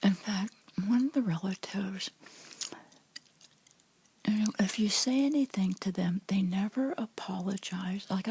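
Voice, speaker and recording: A middle-aged woman whispering softly to her viewers in a rambling vlog chat, full of restarts and fillers. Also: medium pitch, husky. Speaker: vlogger.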